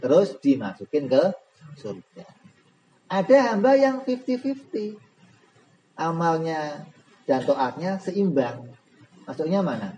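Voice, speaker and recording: A man teaching a religious text in a relaxed, humorous way, who often poses questions to his listeners. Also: fairly high pitch, highs cut off, slight background noise. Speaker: Islamic boarding school teacher. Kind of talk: religious book study lesson.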